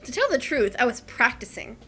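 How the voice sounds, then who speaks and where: A woman's voice: fairly high pitch, very animated, a little fast, pushed and bright, soft background music. A woman hosting a game video, reading the story aloud and scolding her co-host. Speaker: let's-play host. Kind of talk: reading a visual novel aloud.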